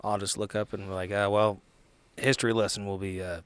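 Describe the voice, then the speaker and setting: A man's voice: fairly low pitch, little pitch movement, fairly quick, clean tone, dry recording. A man chatting casually as a player in a tabletop game. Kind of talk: casual chat.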